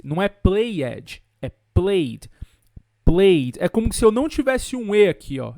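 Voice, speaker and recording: A man from Brazil, an English teacher explaining pronunciation to camera in a lively way, repeating example words slowly and clearly. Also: sits high, no echo, clean studio sound.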